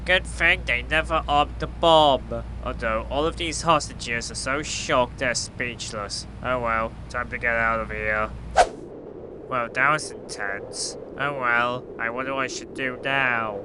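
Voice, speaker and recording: Man acting a flippant superhero, noisy rumbling recording. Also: steady tone, unhurried, lightly acted. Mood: deadpan. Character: blunt, flippant male superhero, once a toy bird. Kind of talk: amateur audio drama acting. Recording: clearly noisy with low rumble.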